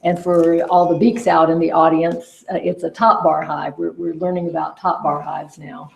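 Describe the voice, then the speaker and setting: A woman's voice: low-pitched, little pitch movement, normal speed, vocal fry. A woman beekeeper on a panel, candidly recounting her own mistake. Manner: candid, self-critical storytelling. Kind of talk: casual panel discussion. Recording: roomy hall echo.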